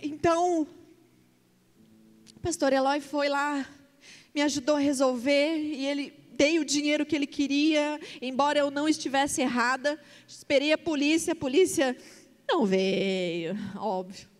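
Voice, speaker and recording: High-voiced woman pastor in a reverberant hall. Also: measured pace. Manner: emotional, vivid retelling with quoted dialogue. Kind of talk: sermon storytelling.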